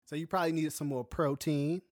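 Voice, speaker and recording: A man's voice: on the high side, steady tone, fairly quick, no echo, studio quality. A man co-hosting a podcast, chatting casually and joking with playful exaggeration. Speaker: podcast co-host.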